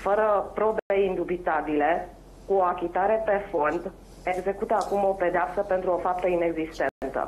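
This woman's pitch is fairly low, her intonation monotone and flat. She keeps a moderate pace. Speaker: wife of a convicted defendant. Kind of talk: interview.

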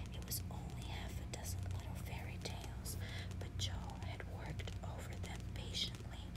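Soft-spoken and calm in tone, the speaker whispers at a moderate pace against loud background noise. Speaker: reader. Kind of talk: soft read-aloud of a novel. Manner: soft ASMR whisper, calm reading.

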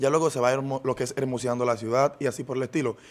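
A man talks at a very fast pace. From Dominican Republic, San Francisco de Macorís area. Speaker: youth protest activist. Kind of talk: interview. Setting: studio. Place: studio. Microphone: studio mic.

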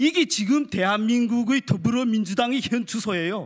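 Delivered at a fairly slow pace, the speech has a lively intonation. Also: man, quiet background. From North Korea. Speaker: activist. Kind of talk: press conference. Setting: press conference room. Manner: animated. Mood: angry, denouncing. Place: hall. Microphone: podium.

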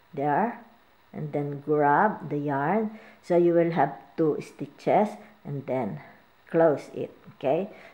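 A woman with a very deep, low pitch speaks at a very slow pace, using long, frequent pauses and lively intonation. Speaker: crochet tutorial presenter. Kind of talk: tutorial. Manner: slow, repetitive, deliberate. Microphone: phone near.

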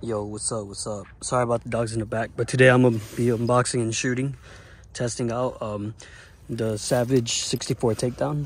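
A somewhat breathy voice in a dry sound with no echo, at a moderate pace, with a monotone, flat intonation. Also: man. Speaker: gun owner reviewer. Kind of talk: casual unboxing chat. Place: open country. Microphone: phone near.

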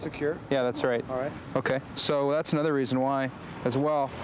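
Noticeable background noise surrounds a dry sound with no echo. A man speaks with fairly even intonation. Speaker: police officer. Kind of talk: on-scene commentary. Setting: outdoors. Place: street.

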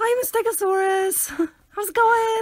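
An extremely high-pitched, put-on character voice. It moves at a moderate pace. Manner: cheerful, chirpy.

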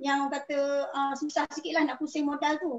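Light background noise sits under a woman speaking at a high pitch. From Malaysia. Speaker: food business owner. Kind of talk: panel discussion. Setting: video call. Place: office. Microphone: video call.

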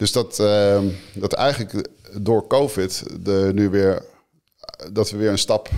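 Against a quiet background, a man with a fairly low pitch speaks very slowly, with long, frequent pauses, fairly even intonation and very even loudness. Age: 50s. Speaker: investor and entrepreneur; interviewee. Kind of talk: interview. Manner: hesitant, many filler sounds. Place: studio. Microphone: studio mic.

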